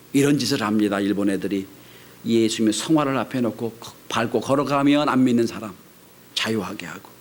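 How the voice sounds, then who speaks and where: A middle-aged man preaches a Sunday sermon. His voice is lively and animated, climbing to ringing high cries before sinking into hushed, whispered passages. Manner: dramatic swings between loud exclamations and hushed whispers. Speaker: pastor.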